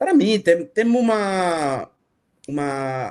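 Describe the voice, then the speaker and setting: A man speaks with lively intonation in a Spanish accent. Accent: Spanish accent in Portuguese, noticeable. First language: Spanish (speaking Portuguese). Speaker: education publishing executive. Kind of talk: interview. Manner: halting, frequent repetitions and fillers.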